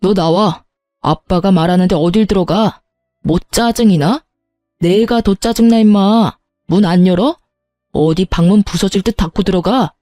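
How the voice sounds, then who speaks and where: A woman's voice: medium pitch, moderate pace, no room sound, clean studio sound, faint music behind, close to an everyday voice. A woman voicing a hot-tempered husband. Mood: yelling. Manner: shouting, curt and bullying. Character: angry middle-aged husband and father.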